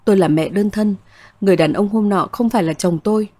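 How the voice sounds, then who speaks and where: A woman's voice: medium pitch, fast, mellow, close to an everyday voice. A woman voicing a desperate young mother who speaks in a pleading, apologetic way, in a read-aloud story.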